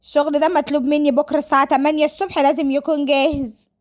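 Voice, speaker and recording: A woman's voice: high voice, flat delivery, racing, a little mellow, pitched above the performer's own voice, close to an everyday voice. A woman with an Egyptian accent playing a distraught, defiant young woman in a domestic story, wailing and pleading melodramatically against an arranged marriage. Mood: exasperated.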